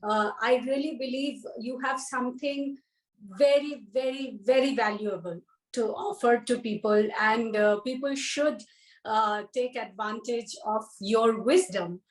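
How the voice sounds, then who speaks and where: A woman's voice: a little high, measured pace. A woman from India, a guest in a conversational interview, speaking earnestly with frequent fillers.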